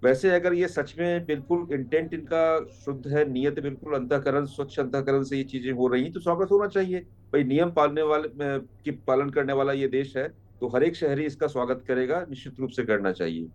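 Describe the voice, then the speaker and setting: A man commenting as a debate guest in formal, halting, carefully qualified phrases. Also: mid-range voice, a little mellow, lo-fi sound. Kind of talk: measured political analysis in a TV debate.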